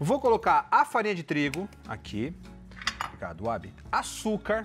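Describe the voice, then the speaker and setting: Faint music sits in the background behind a man's speech. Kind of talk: cooking tutorial. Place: studio. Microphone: lapel.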